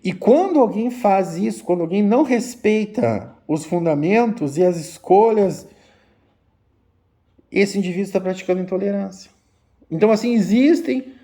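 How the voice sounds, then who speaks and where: Mellow fifty-year-old man. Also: high voice. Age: 50s. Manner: slow, repetitive, addressing listeners as "gente". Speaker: umbanda spiritual teacher and channel host. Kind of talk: religious teaching talk to viewers.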